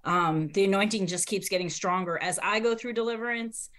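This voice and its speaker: A woman's voice: mid-range voice, a little fast, fairly bright tone. A middle-aged woman giving a matter-of-fact account of her church ministry on a video call. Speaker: church member and deliverance minister. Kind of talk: casual testimony on a video call. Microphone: laptop webcam video call.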